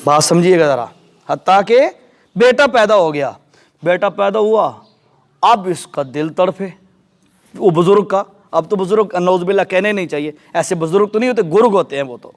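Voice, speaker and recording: A man giving a sermon in a mosque, telling a story and checking in with his listeners. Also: high voice. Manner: animated storyteller, addresses audience directly. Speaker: preacher.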